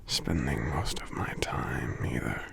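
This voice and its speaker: Very slow, whispering, sleepy male giant acted by a man. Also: expressive, exaggerated voice. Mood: weary, affectionate. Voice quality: breathy whisper with low gravelly hums. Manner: slow, tender, halting, murmuring hums between phrases. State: drowsy, under the weather. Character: sick, gentle, affectionate male giant lover. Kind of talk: ASMR whispered roleplay.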